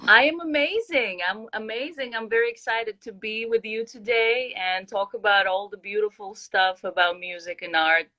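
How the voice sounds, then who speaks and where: A woman from Kazakhstan talking casually as an interview guest, earnest and halting as she searches for words. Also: mid-range voice, bright, forceful tone. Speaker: guest singer-songwriter.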